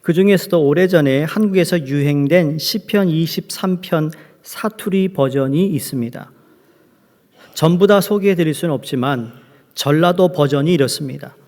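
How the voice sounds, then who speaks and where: A man's voice: on the high side, normal speed, a little mellow. A man preaching a sermon as pastor, joking with his congregation. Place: church sanctuary. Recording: long hall reverb.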